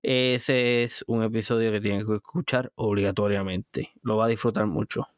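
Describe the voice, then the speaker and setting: A male podcast host with a Puerto Rican Caribbean Spanish accent speaks in a smooth, clear voice. His delivery is casual but emphatic, addressed straight to the listener. The sound is dry and close, with very little room. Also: on the low side, steady tone, normal speed, no room sound. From Puerto Rico. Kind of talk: casual podcast monologue recapping episodes.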